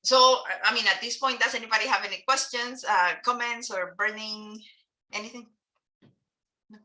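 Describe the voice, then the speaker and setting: Woman, Colombian Spanish accent, native Spanish speaker, lecturing therapist, fairly high voice, many ums and restarts. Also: fairly even intonation, moderate pace, pushed and bright, rough recording. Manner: hesitant, with frequent fillers and restarts. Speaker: couple and family therapist presenting a training. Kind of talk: lecture presentation to an audience.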